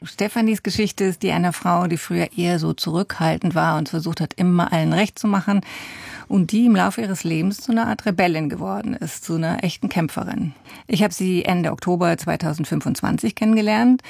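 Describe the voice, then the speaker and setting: A woman reporter tells a life story in a calm, measured narration with a low, gravelly voice. The recording is dry and close, with no room sound. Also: dry recording. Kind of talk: scripted feature narration.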